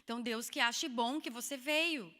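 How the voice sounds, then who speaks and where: A woman preaching an expressive, animated sermon at a women's church meeting, with humorous asides to the audience. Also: a little high, normal speed, big-room sound. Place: church hall.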